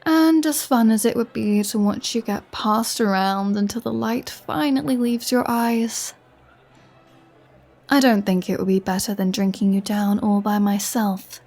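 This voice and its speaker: A woman's voice: medium pitch, measured pace, darkish tone, soft background music. A woman playing a flirty, teasing vampire with a sarcastic, playfully threatening manner in a roleplay audio drama. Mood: menacing, amused. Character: flirty, teasing, menacing female vampire toying with a hunter.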